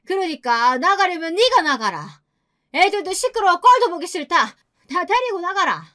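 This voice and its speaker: Woman voicing an older mother-in-law from for an audio story: shrill, bossy and pushy, pitched high. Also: very animated, moderate pace, a bit bright. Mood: scolding. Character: loud domineering older mother-in-law with a regional dialect.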